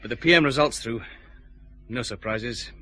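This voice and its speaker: An actor playing a dry, probing detective chief inspector in a radio drama. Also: male voice, medium pitch, normal speed, bright, forceful tone, natural voice.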